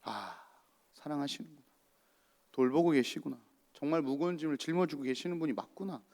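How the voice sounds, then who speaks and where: A man's voice: fairly high pitch, quick pace, darkish tone. A male pastor giving a sermon and asking the congregation rhetorical questions. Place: church. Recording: long church reverb.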